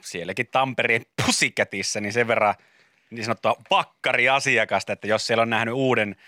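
Bright-voiced joking male radio host. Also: mid-range voice, fairly even intonation, dry recording, studio quality. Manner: joking, teasing banter. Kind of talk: casual radio chat. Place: radio studio.

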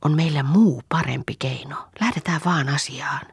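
A woman voicing a bold, scheming farm girl in a hushed, urgent whispered role-play. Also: mid-range voice, sing-song, slightly rough, no echo, clean studio sound, voice pushed up. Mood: conspiring.

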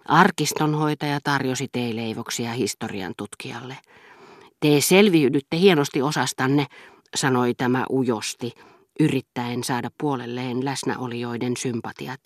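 A woman narrating an audiobook in a measured, even reading. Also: very deep voice, no echo, studio quality. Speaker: audiobook reader. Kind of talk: scripted narration.

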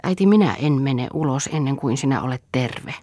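A woman's voice: rumbling low, expressive, dark tone, no echo, clean studio sound. A woman reading the part of a worried young boy in an audiobook, pleading through tears. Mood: anxious. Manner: worried, sobbing pleas. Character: anxious young boy, tearful.

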